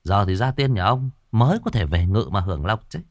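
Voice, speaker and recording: A confident male exorcist gives brisk, firm instructions in a lowish voice with a lively lilt, as a man plays him. He sounds stern and sure of himself, and the recording is dry and close. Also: no room sound.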